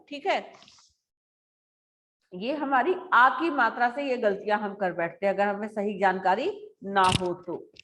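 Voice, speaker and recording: Woman teacher, slow careful explaining. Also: on the high side, a bit bright. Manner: slow, careful explaining, repeating words aloud for dictation. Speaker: school teacher. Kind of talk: grammar lesson for schoolchildren.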